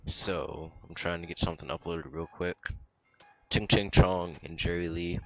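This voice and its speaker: A young man in casual gameplay commentary, talking in a monotone with mumbled asides, close to the mic. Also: deep voice, moderate pace, dull audio, faint music behind. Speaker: gaming YouTuber.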